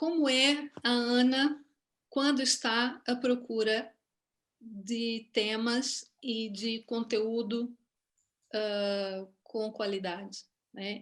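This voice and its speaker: A woman speaks with a Brazilian accent. Her pitch is fairly high and her intonation fairly even. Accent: soft Brazilian. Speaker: photographer. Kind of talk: presentation. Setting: video call. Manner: halting.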